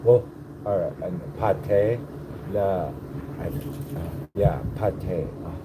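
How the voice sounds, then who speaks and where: A man with an American accent in a casual livestream, searching for words in halting, non-native French mixed with English. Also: low-pitched, noisy background. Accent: American, also when speaking halting French. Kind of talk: casual livestream chat, partly in broken French.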